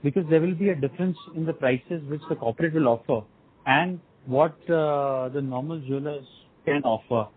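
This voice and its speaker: A man asking informal questions as an investor on an earnings call, haltingly piecing them together over the phone. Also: on the high side. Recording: muffled narrowband phone line.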